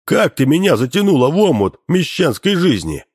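Blustering greedy pudgy man, put on by a male reader, raised pitch, dry close sound. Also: sing-song, normal speed, a little mellow, breathy edge, no room sound, exaggerated voice. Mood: indignant. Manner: blustering, indignant. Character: pompous, dazed pudgy man, full of greed.

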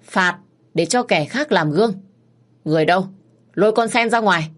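A stern, harsh young master barking orders to his household, as a woman narrator puts him on. Storybook delivery, loud and commanding, raised a little above her usual low voice. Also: normal speed, natural voice.

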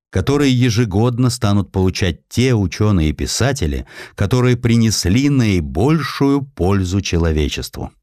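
A man's voice: low voice, darkish tone, dry recording, clean studio sound. A man narrating a historical essay with theatrical, emphatic, scripted delivery.

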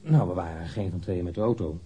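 A guarded witness in a radio play, an engineer with a low, mellow and very husky voice. He answers curtly and reluctantly, with an irritable edge. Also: fast. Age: 30s. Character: reluctant, guarded thirty-three-year-old male engineer being questioned. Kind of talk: radio drama acting.

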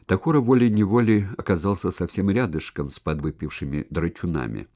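A man narrating a historical novel as an audiobook in an even storytelling manner. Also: low voice, a little fast. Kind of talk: scripted narration.

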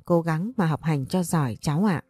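A woman voicing a weary, tender old grandmother who speaks gently. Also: low-pitched, moderate pace, slightly rough, no room sound, soft background music.

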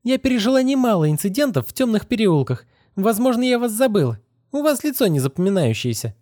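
A man's voice: high voice, sing-song, fast, mellow, dry recording, studio quality, pitched above the performer's own voice. A man voicing a defiant, scornful young woman who speaks with contempt. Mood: weary scorn. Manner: contemptuous, furious outbursts. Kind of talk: audiobook character reading.

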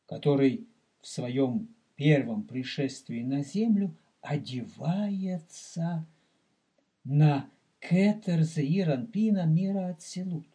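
A man delivering a religious teaching lecture in a slow, measured way, addressing the listener directly and repeating key points. His voice sits a little high for a man but sounds dark and mellow, with a husky, breathy edge. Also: expressive. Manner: explains terms and repeats for emphasis. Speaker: rabbi teaching Kabbalah.

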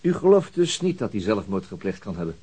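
A persistent police detective in a radio drama. He questions in clipped, quick phrases with slight hesitation, his pitch moving freely and his voice a touch husky. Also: very animated, dark tone. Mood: probing, matter-of-fact. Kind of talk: Dutch radio drama dialogue.

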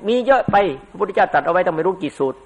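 A man's voice: sits high, very fast, gravelly. An older man giving a Buddhist dharma sermon in a conversational way, rising into emphatic bursts. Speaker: Buddhist monk teacher.

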